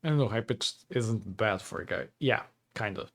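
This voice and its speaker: A young man who speaks English with a Portuguese accent, chatting casually on his stream. He keeps his voice deliberately low and calm over a dry throat, and he chuckles often between phrases. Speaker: livestreamer. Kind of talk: casual stream chat reading viewer comments.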